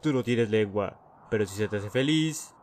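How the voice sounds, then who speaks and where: A man voicing a lazy, laid-back short skeleton in a cartoon fan dub, with a drawling deadpan delivery. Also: fairly low pitch, normal speed, heavy background noise, lightly acted.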